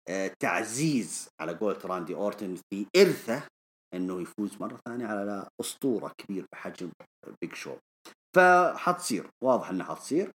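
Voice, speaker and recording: A man hosts a podcast and retells a wrestling show at a brisk clip. His pitch leaps around as he tells the story with plenty of drama. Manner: animated storyteller, acts out quoted lines. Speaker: podcast host.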